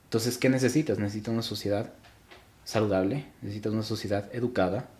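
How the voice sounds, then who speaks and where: Mellow-voiced young man from Ecuador. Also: on the low side, fairly even intonation, quick pace. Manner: reflective, with frequent restarts and hesitations. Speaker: podcast guest. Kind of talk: casual interview chat.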